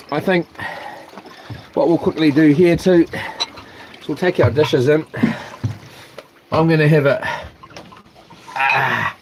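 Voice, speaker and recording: A man with a broad New Zealand accent and colloquial slang, talking casually and half to himself as he vlogs outdoors. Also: a little high. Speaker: vlogger. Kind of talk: casual outdoor vlog chat. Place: outdoors on a small boat on water. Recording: noisy outdoor boat recording.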